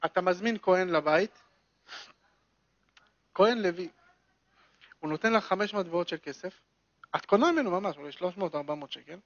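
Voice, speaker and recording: A man's voice: high-pitched, animated, long pauses, no room sound, dull audio. A man teaching a religious lesson to a small group, telling a story with emphatic repetition.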